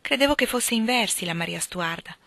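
A woman's voice: medium pitch, lively intonation, a little fast, vocal fry, fairly bright tone, no echo, voice pushed up. Brief: modest, shy young governess, read by a woman, storybook style, dry close sound. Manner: modest and timid.

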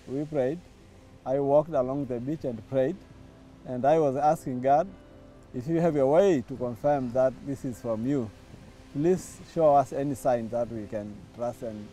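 A middle-aged man from Tanzania, telling his story in an interview, reflective and thoughtful, pausing and restarting often. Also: medium pitch, warm tone. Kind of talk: testimony interview. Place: outdoors by a lawn. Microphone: lapel mic.

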